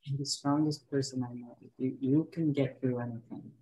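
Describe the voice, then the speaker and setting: A man reading the part of an earnest young man in love, soft-spoken and halting, at a script table read. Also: medium pitch, fairly even intonation, slightly rough, lightly acted, rough recording. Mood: tender.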